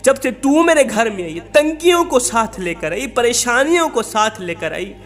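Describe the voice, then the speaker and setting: A man doing an angry husband in a spoken religious tale, high-pitched, ranting and insulting, hammering the same phrases over and over, faint music underneath. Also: lively intonation, fairly bright tone. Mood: scolding. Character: harsh scolding husband, a grown man.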